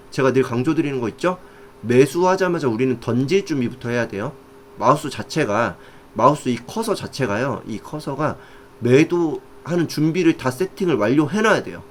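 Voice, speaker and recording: A man explains stock trading in a lively, casual voice, his pitch rising and falling a lot as he talks. He keeps stopping to check that the listener understands. Faint background noise sits under his voice. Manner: animated, often asks "아시겠죠?" to check understanding.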